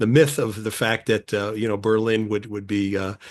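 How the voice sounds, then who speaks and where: An ordinary speaking voice delivers fairly even intonation at a moderate pace over a quiet background. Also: man. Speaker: podcast host. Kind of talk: interview question.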